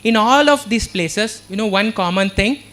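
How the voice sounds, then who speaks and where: A man with an Indian English accent lecturing students. His voice sits high for a man, and he talks with earnest energy. He keeps tossing checks back to the listeners as he goes. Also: moderate pace, bright, forceful tone. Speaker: motivational speaker. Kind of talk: motivational talk to students. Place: university auditorium.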